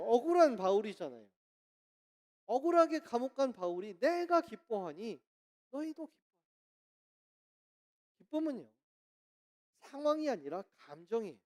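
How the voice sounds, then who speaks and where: A woman pastor preaching a sermon in church, lively and asking the congregation questions. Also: a little high. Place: church sanctuary.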